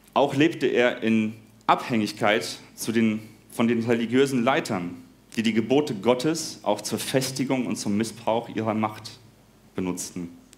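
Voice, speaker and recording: Audible room echo surrounds a fairly slow delivery with long, frequent pauses and ordinary pitch variation. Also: man, medium pitch for a man. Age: 30s. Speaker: pastoral worker giving a Christmas Eve sermon. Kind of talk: sermon.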